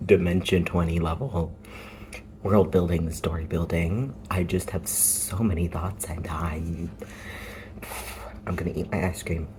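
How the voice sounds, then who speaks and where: A woman's voice: extremely low pitch, steady tone, a little slow, noisy background. A woman vlogging casually as a game master, talking in a nervous, hesitant way with repeated self-reassurance. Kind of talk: casual chat.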